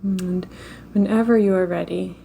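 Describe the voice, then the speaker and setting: A woman leading a slow guided meditation in a gentle, unhurried way, with long pauses between phrases. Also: lowish voice, fairly even intonation, gravelly, slight background noise.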